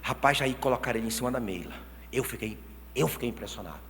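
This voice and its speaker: A Brazilian man in his thirties preaching a sermon as pastor, telling stories with swings from quiet talk to shouting. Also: mid-range voice, fast talker, background noise. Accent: Brazilian Portuguese. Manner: animated storytelling, swings from soft to shouting. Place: church hall. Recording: long church hall reverb.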